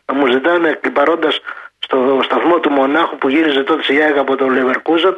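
A man's voice: medium pitch, fairly even intonation, husky. A man calling a sports radio show, ranting heatedly and repeating his points. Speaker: caller. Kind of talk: casual call-in chat. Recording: muffled phone line.

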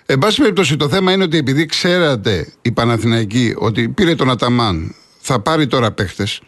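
Calm man hosting sports radio. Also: mid-range voice, no room sound. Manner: calm, brief agreeing replies. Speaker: radio sports call-in host. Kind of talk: casual call-in chat.

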